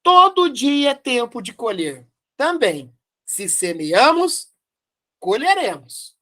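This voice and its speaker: A woman with a Brazilian Portuguese accent presents a Spiritist study, speaking slowly and deliberately. Her fairly high voice rises and falls a great deal as she repeats key phrases for emphasis and poses rhetorical questions. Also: big pitch swings, a bit bright. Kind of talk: devotional study commentary.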